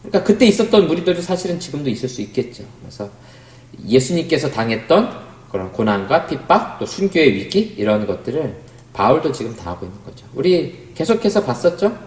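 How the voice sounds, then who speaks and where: A man's voice: on the high side, very animated, brisk. A man, a pastor, giving a Bible study lecture in a conversational way, often asking the class questions. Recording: roomy, echoey room sound.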